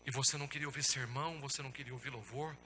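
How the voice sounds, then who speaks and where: A man preaching a sermon and telling a personal testimony, with dramatic storytelling that swings from hushed to shouting and repeatedly addresses the congregation as brothers. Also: mid-range voice, fairly even intonation, rapid-fire, slight background noise. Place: church.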